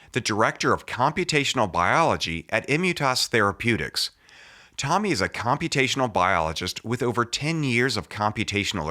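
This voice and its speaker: A man's voice: fairly low pitch, sharp tone. A man hosting a podcast, reading an introduction in an emphatic, punchy way. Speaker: podcast host. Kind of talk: scripted upbeat introduction, then interviewing.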